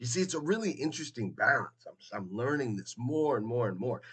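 A man talks at a very fast pace. His tone is animated and his intonation lively. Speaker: motivational show host. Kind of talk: live-streamed motivational talk. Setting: live stream from Miami. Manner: animated, high-energy.

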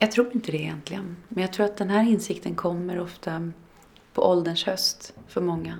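A woman's medium-pitched, somewhat breathy voice at a moderate pace, with fairly even intonation. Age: 30s. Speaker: opera singer and music teacher. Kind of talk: interview.

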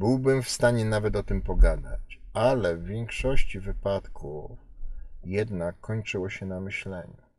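A man's fairly slow delivery with big swings in loudness. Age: 50s. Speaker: addiction therapist, podcast host. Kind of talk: personal monologue. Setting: in a car. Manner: halting.

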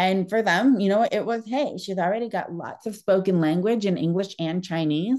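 At a moderate pace, a woman uses a normal speaking voice with fairly low pitch and ordinary pitch variation against a quiet background. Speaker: pediatric audiologist. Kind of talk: casual interview chat.

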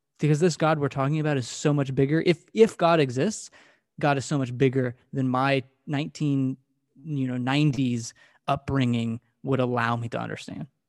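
A man in a normal speaking voice talks at a fairly quick pace and a fairly high pitch with ordinary pitch variation, the sound dry and close with no echo over a quiet background. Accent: American. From Texas. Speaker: author and podcast co-host. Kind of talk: interview conversation. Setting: video call.

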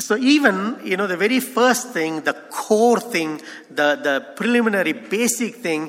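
Over noticeable background noise, a man talks at a fairly slow pace, his pitch swinging very widely. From India. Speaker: missionary. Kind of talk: sermon. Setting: church.

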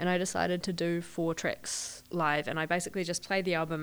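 A woman's fairly low voice in a New Zealand accent, monotone and flat, at a moderate pace. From New Zealand, central North Island. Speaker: music therapist and musician. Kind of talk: casual interview chat.

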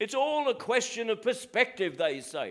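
Moderate-paced speech from a man with an Australian accent. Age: 60s. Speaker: pastor. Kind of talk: sermon. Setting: church.

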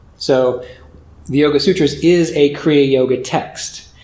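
A fairly high-pitched man's voice with ordinary pitch variation and audible room echo. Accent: American. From West Virginia. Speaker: yoga and meditation teacher. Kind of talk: talk to a retreat group. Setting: retreat session with live audience. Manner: many fillers (um, uh).

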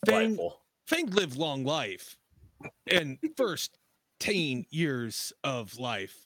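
A man puts on a character voice, raised and projected at a fairly high pitch. He goes very slowly, with very wide pitch swings and long, frequent pauses. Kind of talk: broken primitive speech. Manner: comic.

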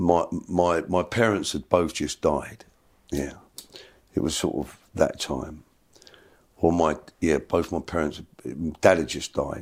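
With a Cockney accent, a man speaks fairly slowly in a very deep, low pitch. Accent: London Cockney. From South London (Stockwell). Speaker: ex-criminal telling his life story. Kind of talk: interview testimony.

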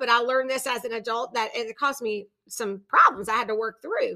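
Bright and sharp in tone, the voice is raised and projected, animated, and moves at a fairly quick pace. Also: woman. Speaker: podcast host and community founder. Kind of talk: casual interview chat.

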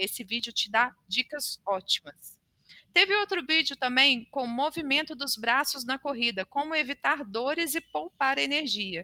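In a dry, close recording with no echo, a woman with a Minas Gerais accent speaks fairly slowly in a high, bright, sharp, raised and projected voice with lively intonation. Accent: Minas Gerais (mineiro). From Minas Gerais, Brazil. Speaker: running podcast host. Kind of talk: casual news roundup. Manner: animated.

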